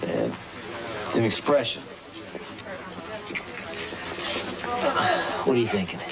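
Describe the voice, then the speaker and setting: Deep american cop guy, dry and sarcastic, short on patience, tv crime show. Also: wildly swooping pitch, brisk, creaky, a loud crowd, full character voice, low-quality recording. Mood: tentative. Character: wry, impatient male police detective. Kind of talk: TV crime drama acting.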